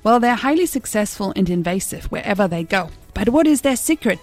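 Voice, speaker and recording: A woman presenting a science radio show as host, with a bright, curious, questioning manner. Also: medium pitch, expressive, a little fast, faint music behind. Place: radio studio.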